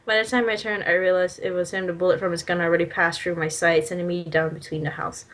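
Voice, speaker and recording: A woman's voice: fairly low pitch, level tone, fast, a bit bright. Giggly woman reading a story aloud. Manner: giggly, teasing. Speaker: story reader. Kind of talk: casual read-aloud of amateur fan fiction with joking asides.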